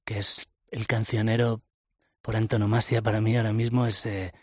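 A man's voice: fairly low pitch, flat delivery, moderate pace, dry recording, studio quality. A man with a Castilian Spanish accent chatting casually as a musician being interviewed. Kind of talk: casual chat.

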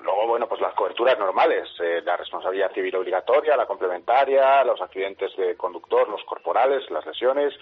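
A man giving a halting, conversational motorcycle news report on the radio, often adding tag questions. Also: fairly low pitch, breathy edge. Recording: tinny telephone line.

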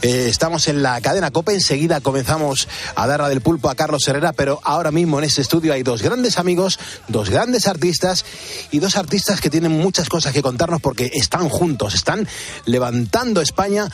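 A man with an accent from Spain, presenting a radio morning show in a lively style, in a studio. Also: a little high, fairly quick. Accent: Spanish from Spain.

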